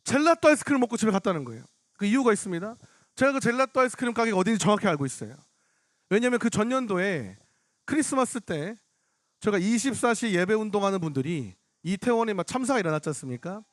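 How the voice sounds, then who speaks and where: A young adult man, a pastor, telling a story in a sermon at an outdoor prayer rally, animated, acting out what others said. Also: sits high, fast talker, dry recording, clean studio sound. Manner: animated storytelling, acts out other people's lines. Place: outdoor public square.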